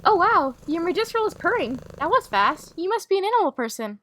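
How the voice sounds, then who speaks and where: A woman playing a timid, kindly magic-school creature teacher with a polite, hesitant manner in an animated roleplay story. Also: very high voice, brisk, slight background noise, full character voice.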